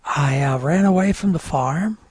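A man in his fifties from northern New York, whose first language is French, telling his story as a radio guest in a rambling, halting way. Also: fairly high pitch, a little mellow, slightly rough. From northern New York, French-speaking home. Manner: rambling, halting with many fillers. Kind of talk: casual radio interview storytelling.

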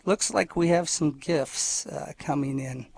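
A man hosting a radio fundraiser, relaxed and friendly, chuckling now and then. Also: on the high side, measured pace, creaky, slightly rough. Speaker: radio host. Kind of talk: casual radio fundraising chat.

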